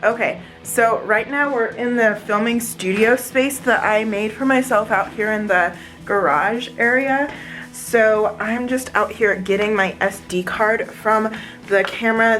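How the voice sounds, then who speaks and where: A woman's voice: mid-range voice, fairly bright tone. A woman vlogger chatting casually and informally to her viewers in a day-in-the-life style.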